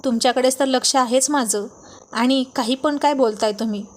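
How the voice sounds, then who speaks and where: Storybook role: a smitten, bashful young brother-in-law, pleading and eager, read by a woman in a fairly high voice. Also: normal speed, lightly acted. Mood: teasing bashful.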